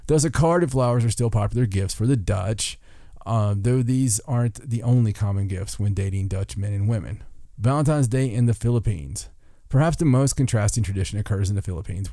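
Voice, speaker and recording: Here a man with a lowish, warm voice hosts a podcast at a moderate pace. He reads from a list folksily, adding joking asides and fumbling foreign words, in a dry, clean studio recording.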